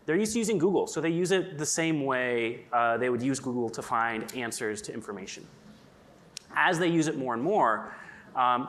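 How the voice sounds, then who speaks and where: Man, conference panelist, casual and rambling, mid-pitched. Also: a bit bright. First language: English. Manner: chatty, lots of likes and ums. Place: conference stage.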